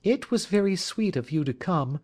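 A man voicing a kind, composed wife who comforts a friend in a gentle, reassuring tone. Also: expressive, normal speed. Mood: soothing. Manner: gentle, raised-pitch reassuring tone. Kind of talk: audiobook character voice.

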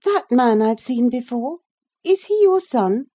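A woman voicing an excitable young lady, speaking high and pleading. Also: a little slow, husky. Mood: indignant. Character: lively eager girl, young lady of the manor.

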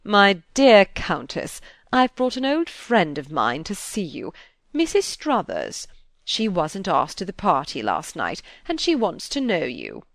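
A woman voicing an elderly bearded duke with an unhurried, genial manner. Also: lowish voice, wildly swooping pitch, dry recording, studio quality, exaggerated voice. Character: elderly aristocratic duke, male, bearded and easygoing.

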